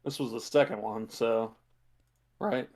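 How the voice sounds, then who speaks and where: Low-key man with gravelly creak. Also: steady tone, unhurried, darkish tone. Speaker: podcast co-host. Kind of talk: casual film discussion.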